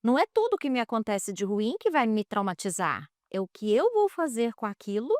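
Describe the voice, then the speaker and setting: A high-pitched Brazilian woman speaks as a guest expert in an interview. Her voice swings widely in pitch as she tells stories and acts out quoted dialogue. The recording is dry and close. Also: fairly quick, no echo. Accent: Brazilian Portuguese. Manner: animated storytelling, acting out quoted dialogue. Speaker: guest expert on child development. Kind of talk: interview conversation.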